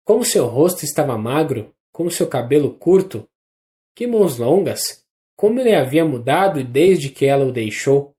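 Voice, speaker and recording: Brazilian Portuguese narrator for literary audiobook; mellow, warm timbre, mid pitch, measured delivery. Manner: measured, even reading with small restarts.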